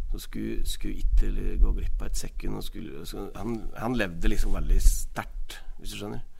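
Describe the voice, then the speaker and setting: Amid audible room echo, a man talks with hardly any pauses as his loudness swings widely. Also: moderate pace. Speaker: singer and actor. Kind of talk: casual interview. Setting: on a stage in an open-air museum.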